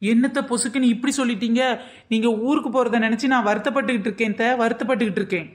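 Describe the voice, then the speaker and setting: A woman's voice: a little high, very fast, lightly acted. A woman voicing a cheeky young daughter-in-law in a cartoon comedy, making innocent-sounding excuses.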